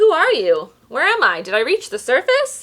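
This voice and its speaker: A woman puts on a squeaky character voice at an extremely high pitch. She keeps a moderate pace. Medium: read story.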